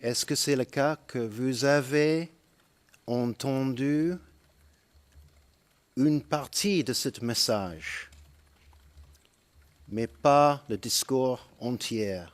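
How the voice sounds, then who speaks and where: A man cross-examines a witness in a courtroom. He speaks very slowly and deliberately, pressing leading questions. His voice sits in a middle register. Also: medium pitch.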